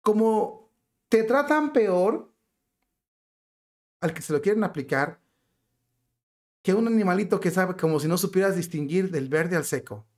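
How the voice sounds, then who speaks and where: A man's voice: sits high, animated, a little slow, pauses often, a little mellow. A man giving indignant religious commentary, reading out a news report and then arguing his case with pointed rhetorical questions. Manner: outraged, emphatic.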